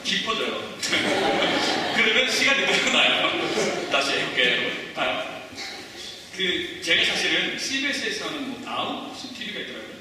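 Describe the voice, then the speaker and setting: A man's voice: high-pitched, far from the mic, noisy background. A pastor in his forties preaching a sermon, talking conversationally and quizzing the congregation with questions, heard from off the mic in an echoey church hall. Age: 40s.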